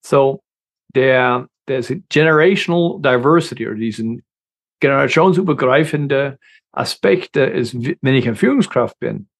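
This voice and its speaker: A man's voice: medium pitch, expressive, unhurried, vocal fry. A middle-aged man from the United States with an American accent, a guest consultant talking in his second language, with frequent restarts and grammar slips. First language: English. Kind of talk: conversational interview.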